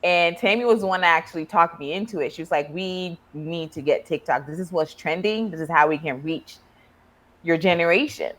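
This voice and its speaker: A Ghanaian woman who works as a therapist and podcast host runs a casual interview, asking friendly questions and laughing easily. Her voice is on the low side and fairly bright, and she talks fairly quickly.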